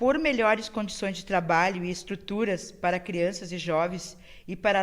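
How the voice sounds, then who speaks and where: Here is a woman with a plain, everyday voice. She keeps a medium pitch, a moderate pace and fairly even intonation. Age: 60s. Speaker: retired teacher, council candidate. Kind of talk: prepared self-introduction. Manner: fluent, read-like.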